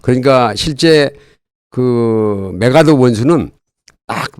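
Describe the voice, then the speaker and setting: Older man, interview guest, earnest drawn-out explanations, halting delivery, lively melody, dry recording. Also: medium pitch, smooth, dry recording. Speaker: guest, retired army colonel and military history author.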